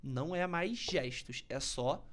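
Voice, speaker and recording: A Brazilian woman explaining public speaking as a coach in a podcast interview, very expressive, swinging from firm, loud emphasis to soft near-whispers to show tone of voice. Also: low voice, slow.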